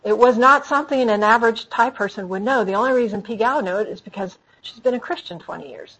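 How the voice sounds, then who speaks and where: Husky-voiced woman telling stories conversationally. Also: a little high, quick pace, muffled recording. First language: English. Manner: animated, frequent restarts. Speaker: speaker training storytellers. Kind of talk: conversational talk with audience questions.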